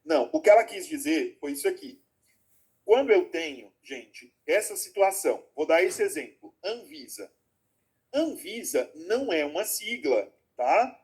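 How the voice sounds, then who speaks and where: A man's voice: on the high side, very animated, moderate pace, a little mellow, slightly rough. A man teaching an online class, explaining step by step, checking in with students often and calling them affectionate names. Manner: explains with frequent check-in questions; affectionate, calls students "my loves". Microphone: video call.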